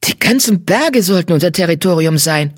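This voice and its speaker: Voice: mid-range voice, expressive, moderate pace, no echo, studio quality, natural voice. A reader voicing a sullen, hot-tempered black tomcat who grumbles and hisses his complaints. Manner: grumbling, hissing.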